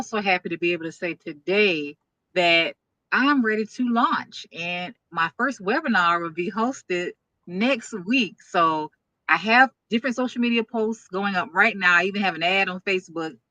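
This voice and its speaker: A woman hosts an interview show with upbeat enthusiasm. Her voice is bright and forceful. The sound is dry, with no room around it. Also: on the low side, no room sound. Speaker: podcast host and speaking coach. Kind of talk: hosting a business interview show.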